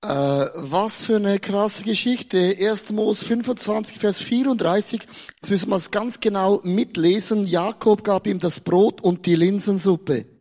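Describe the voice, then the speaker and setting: A Swiss man preaches with a notably high voice, playful and chatty. He stumbles into quick repetitions and banters with his listeners. His Swiss German accent is plain throughout. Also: darkish tone. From Switzerland. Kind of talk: lively humorous sermon.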